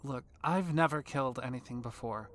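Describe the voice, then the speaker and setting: A woman playing an earnest, reluctant, gentle-hearted vampire in an audio drama, with a hesitant, sincere way of talking. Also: a bass voice, fairly quick. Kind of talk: audio drama comedy acting.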